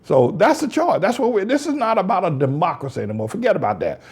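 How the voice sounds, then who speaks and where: A pastor hosting a news blog, giving fiery, mocking, rambling biblical commentary on politics. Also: male voice, high voice, big pitch swings, fast talker, slightly rough.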